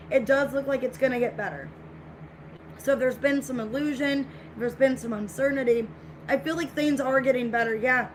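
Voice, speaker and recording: High-voiced woman giving a tarot reading. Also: slight background noise, rough recording. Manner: repetitive, reassuring, conversational. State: voice getting scratchy. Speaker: tarot reader. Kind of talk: casual tarot reading for viewers.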